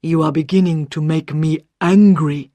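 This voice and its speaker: A woman's voice: low-pitched, fairly even intonation, normal speed, mellow, no echo, lightly acted. A woman voicing a ruthless, commanding male villain in a read-aloud storybook, speaking coldly and threateningly. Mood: cold threat. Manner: cold, threatening.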